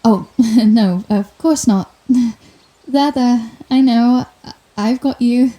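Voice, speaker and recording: Woman playing a mellow, sardonic female supervillain. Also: fairly high pitch, steady tone, slow. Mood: awkward, comforting. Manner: theatrical, wry, flustered denials, grand pronouncements. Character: telepathic female villain, proud, sardonic, secretly soft-hearted. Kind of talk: intimate ASMR audio roleplay.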